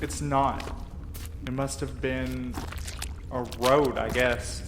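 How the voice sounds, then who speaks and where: A man's voice: medium pitch, level tone, slow, noisy background, natural voice. A man acting an earnest, determined leader of a group of friends in a naturalistic audio drama, speaking in a matter-of-fact, encouraging way. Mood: intent, searching.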